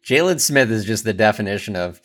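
A man's voice: on the low side, expressive, fairly bright tone. A man cohosting a sports podcast, rambling through stories with fillers and easy laughs. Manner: rambling, laughs easily, bursts of quick talk. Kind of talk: casual sports chat.

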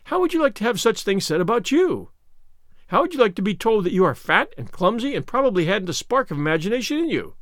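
A passionately indignant young girl from a storybook, acted out by a male reader, pitched well up and swinging widely. She is wounded and furious, hammering out her words with choked vehemence. The sound is close and dry. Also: big pitch swings, quick pace, no room sound. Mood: indignant, hurt. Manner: vehement, emphatic, choked with anger.

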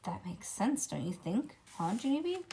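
A woman voicing a serious little schoolgirl who explains things calmly and plainly. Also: medium pitch, normal speed, gravelly, slight background noise. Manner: calm, matter-of-fact.

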